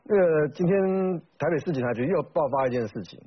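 A man's voice: a little high, animated, a little fast, slightly rough. A man speaking as a guest on a political talk show, conversationally setting up a story. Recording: slightly dull broadcast audio.

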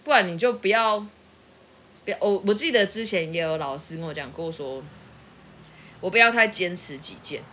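A woman's voice: lowish voice, expressive, moderate pace, long pauses, a bit bright, a little hiss or hum. A middle-aged woman chatting casually, reflective and earnest as she shares advice. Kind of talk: casual chat.

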